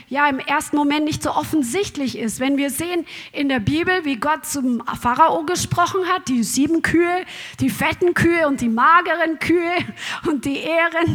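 Fervent woman preacher with a very high voice. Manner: fervent, builds to loud exhortation. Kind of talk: charismatic sermon.

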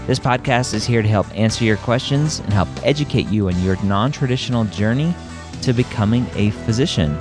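A man hosting a podcast, sounding stuffy and nasal from a cold, explaining things in a measured way with small restarts. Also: mid-range voice, music in the background. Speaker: podcast host. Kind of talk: solo podcast talk.

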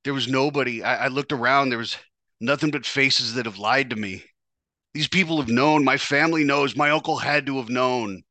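A man's voice: medium pitch, normal speed, bright, forceful tone, dry recording. A man hosting a podcast, telling a painful personal story in a raw, profane way, stumbling and restarting often. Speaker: podcast host.

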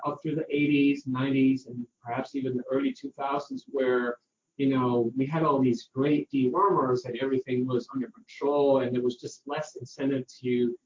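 A man's voice: mid-range voice, a little hiss or hum. A middle-aged Danish-accented man, a parasitology researcher, telling a chatty story with lots of fillers and acted-out dialogue. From Denmark. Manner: chatty, acts out quoted dialogue, frequent fillers. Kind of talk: relaxed anecdotal storytelling. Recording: roomy distant muffled audio with faint ambience.

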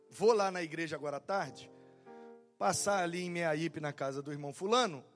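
Pastor guy, high voice, acts out convos in his sermon, soft music under. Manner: animated, acts out dialogue in quotes. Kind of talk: sermon storytelling.

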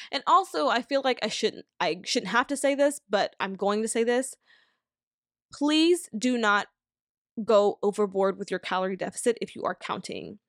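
A woman's voice: medium pitch, dry recording, studio quality. A woman in her thirties hosting a solo podcast, chatty and upbeat, full of fillers like "like" and "um". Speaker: podcast host. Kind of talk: casual solo podcast advice.

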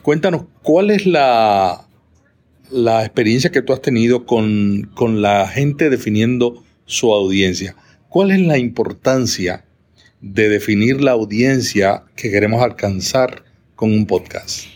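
A man hosting a podcast interview, asking attentive, measured questions. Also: fairly low pitch, animated, a little mellow. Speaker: podcast host. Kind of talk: conversational interview.

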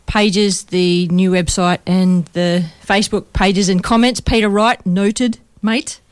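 A woman's voice: mid-range voice, steady tone, takes it slowly, clear, resonant tone, dry recording, clean studio sound. A woman co-hosting a community radio football show, upbeat and chatty as she reads out thanks and news. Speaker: radio co-host. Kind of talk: casual community radio chat.

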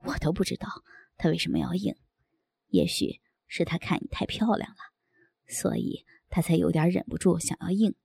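A woman voicing a soft-spoken man who coaxes tenderly in a hushed, half-whispered voice. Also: on the low side, sing-song, moderate pace, gravelly, breathy edge, dry recording, studio quality, voice pushed down, exaggerated voice. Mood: soft coaxing. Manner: tender, wheedling. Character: gentle coaxing adult man, soft-spoken lover.

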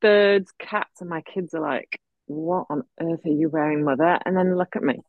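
A woman's voice: low voice, moderate pace, no echo, narrow, tinny audio. A middle-aged woman from North Yorkshire with a general English accent, chatting as a guest art therapist in a self-deprecating way. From North Yorkshire, England. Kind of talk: casual chat. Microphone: video call.

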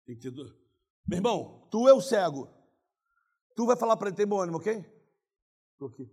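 A man preaching a lively sermon. He keeps calling his listeners "irmão", stages role-play with the crowd and breaks into shouts. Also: sits high, moderate pace, slightly rough. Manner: animated, calls listeners "irmão", bursts into shouts.

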